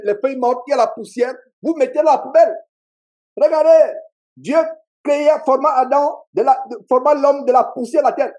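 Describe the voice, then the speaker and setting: Preaching at a church meeting, this Cameroonian French-accented pastor has an extremely high yet darkish male voice. He drives his points home emphatically, repeating key lines in call-and-response with the congregation.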